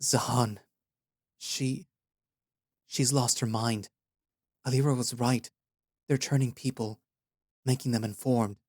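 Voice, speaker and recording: A man's voice: medium pitch, slow pace, long pauses, slightly rough, no echo, studio quality. A man voicing a fierce white-furred creature who speaks with urgent, furious intensity, near his own voice. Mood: shaken.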